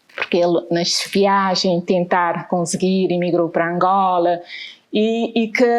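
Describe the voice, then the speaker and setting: A woman speaking at a very slow pace. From Cape Verde, grew up between Praia, Santo Antão and Mindelo. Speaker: storyteller. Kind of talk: personal storytelling talk at a festival. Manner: halting, with frequent restarts.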